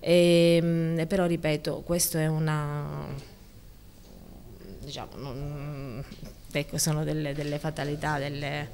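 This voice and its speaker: A woman doctor in her forties speaks into a handheld reporter mic in a hospital emergency corridor. She talks slowly, in a lowish voice, and keeps stalling on fillers and restarting her sentences. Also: level tone, darkish tone, a little hiss or hum. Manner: hesitant, many fillers and restarts. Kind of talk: on-the-spot news interview. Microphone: handheld reporter microphone.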